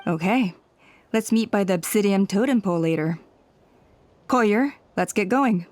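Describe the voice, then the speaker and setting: A woman's voice: medium pitch, measured pace, darkish tone, dry recording, natural voice. A woman playing a dutiful, composed female tribal elder in an anime-style video game, formal and polite. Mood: businesslike. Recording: music playing behind the voice.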